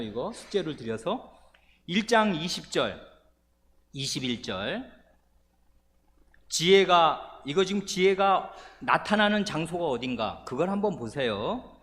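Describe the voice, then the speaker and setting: A male pastor teaching a Bible study, animated, asking questions and calling out examples to the congregation. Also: on the high side. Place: church. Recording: long church hall reverb.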